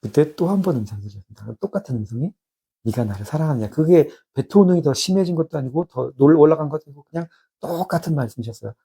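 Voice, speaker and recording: A man in his fifties giving a personal spiritual testimony, reflective and halting with many restarts. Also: a little high, lively intonation, dark tone, husky.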